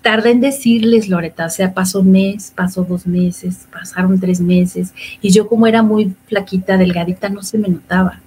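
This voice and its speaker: A woman's voice: mid-range voice, fairly even intonation, normal speed, hardly any pauses, dark tone, a little hiss or hum. A woman, telling her personal story as an interview guest, often acting out what others said. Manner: emotional storytelling, quoting others. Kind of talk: personal testimony.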